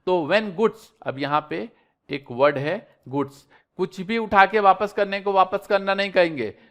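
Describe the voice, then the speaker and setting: A man's voice: sits high, unhurried, fairly bright tone. A man teacher giving an accounting lesson, asking questions and answering them himself, with English terms mixed in. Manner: repeats questions and has students answer; mixes English terms into his speech. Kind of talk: classroom lecture.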